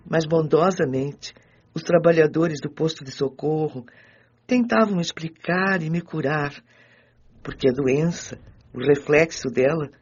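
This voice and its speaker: A man voicing the anguished spirit of a devout sixteen-year-old girl, husky and earnest, in an audiobook drama. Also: on the high side, a little mellow, heavily acted. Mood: earnest, explaining. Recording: dull lo-fi audio with music underneath.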